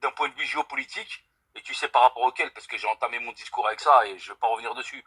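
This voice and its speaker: A man's voice: mid-range voice, racing, pushed and bright, husky. A young man from France calling in to a live stream, speaking earnestly and emphatically and swearing by God to stress his points. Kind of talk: casual debate call.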